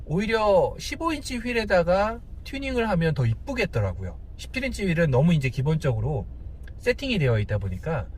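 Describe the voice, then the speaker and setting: A man hosting a casual, unscripted car review, speaking hesitantly with pauses between short phrases. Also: fairly high pitch, darkish tone. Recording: clear background car noise.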